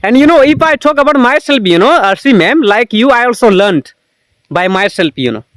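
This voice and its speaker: A man with an Indian English accent talking on a video call, filling every pause with "you know" and "yes, yes". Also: very high-pitched, animated, a bit bright, no echo. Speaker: English learner hosting a practice call. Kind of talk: casual conversation practice.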